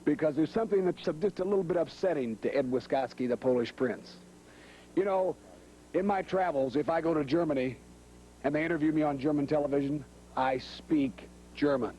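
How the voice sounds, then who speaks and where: A man delivers a boastful wrestling promo in a fairly high voice. He is haughty and scornful, leaning deliberately on his words, on an old TV tape with a faint hum. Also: darkish tone, rough recording. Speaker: villain wrestler in interview.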